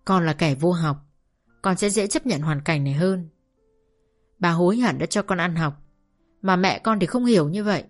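A woman reading an audiobook, voicing an older father who speaks softly and sadly to his daughter. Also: lowish voice, normal speed, pauses often, soft background music, close to an everyday voice. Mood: sorrowful. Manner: soft, pleading, sighing. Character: gentle sorrowful father, older man.

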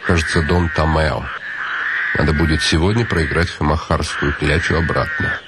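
A man's voice: extremely low pitch, normal speed, very noisy. An actor voicing a weary, ironic nobleman's inner monologue in a radio play. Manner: brooding, dryly ironic musing.

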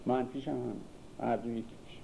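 Older man with a dark voice lecturing. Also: mid-range voice, steady tone, creaky, rough recording. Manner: reads verses, then explains them in casual speech and quizzes listeners. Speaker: literature teacher. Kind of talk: lecture on classical poetry. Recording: faint background noise.

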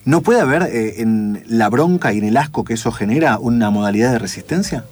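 A male radio host speaking from the studio at a brisk clip. His pitch sits in an ordinary middle range, and he puts his questions plainly and directly. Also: lively intonation, darkish tone, faint music behind. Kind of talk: radio interview.

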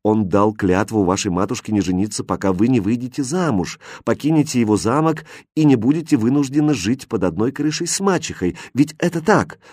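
A man's voice: medium pitch, brisk, few pauses, darkish tone, slightly rough, no echo, studio quality, natural voice. A man voicing a passionate young king in an audiobook fairy tale, with earnest, impassioned delivery. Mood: reproachful.

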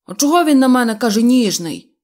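A woman's voice: lively intonation, a little fast, darkish tone, lightly acted. A woman voicing a small girl who scolds and soothes the boys, in a storybook reading. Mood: scolding. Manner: chiding, high and eager. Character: bossy, scolding little girl, Knopochka.

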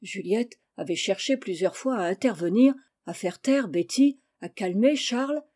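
A woman reading a classic novel aloud as an audiobook narrator, expressive and giving each character a voice. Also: medium pitch, normal speed.

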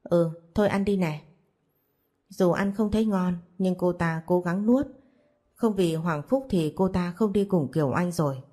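A woman narrating a romance story in a steady, even reading. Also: fairly low pitch, moderate pace.

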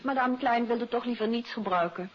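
Actress, attentive wife, fairly high voice, 1950s radio drama, muffled and hissy. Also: female voice, moderate pace, lightly acted. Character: detective's wife, attentive, sociable. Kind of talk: 1950s radio mystery serial acting.

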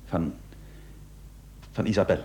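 An actor playing a meek, guilt-ridden, henpecked husband in a radio play, hesitant and subdued. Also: male voice, takes it slowly, darkish tone, slight background noise, natural voice, rough recording. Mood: shaken, confessing. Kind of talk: Dutch-language radio play acting.

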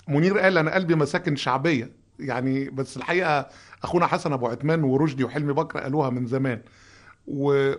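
A man speaking with an Egyptian accent breaks down songs for his listeners. He talks in a somewhat high voice and moves between lively explanation and lines of lyrics recited aloud. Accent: Egyptian Arabic. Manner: animated, recites lyrics aloud and hums melodies. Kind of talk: music commentary.

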